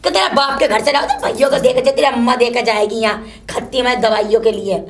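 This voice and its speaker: Woman doing a nagging old mother-in-law, high-pitched, complaining nonstop. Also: quick pace, close to an everyday voice. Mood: scolding. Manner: shrill, cursing, complaining nonstop. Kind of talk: solo comedy sketch.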